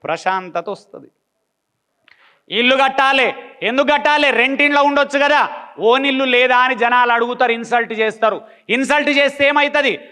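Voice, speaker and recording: A man gives a blunt motivational talk, with a high, bright voice. His tone is smooth and clear. He keeps firing rhetorical questions and repeating his lines. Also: a little fast. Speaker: motivational speaker.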